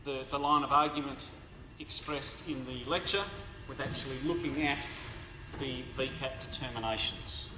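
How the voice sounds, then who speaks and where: A man giving a university law lecture in a hoarse, tired voice, speaking haltingly with many fillers and restarts. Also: medium pitch, steady tone. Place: large lecture hall. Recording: echoey lecture hall recording with background noise.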